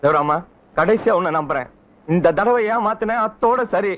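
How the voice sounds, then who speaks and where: Brief: a shouty, blustering creditor, high-pitched and fierce, on a dull old film soundtrack. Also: male voice, lively intonation. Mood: indignant. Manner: blustering, quick to shout and threaten. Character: loud, hot-tempered creditor demanding his money. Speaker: comic film character, a creditor named Naidu.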